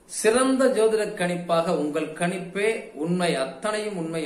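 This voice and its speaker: Room echo is audible here. It surrounds a man as he talks. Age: 40s. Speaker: astrologer. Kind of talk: personal video address to viewers. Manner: formal. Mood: proud, storytelling. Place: home room. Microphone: phone near.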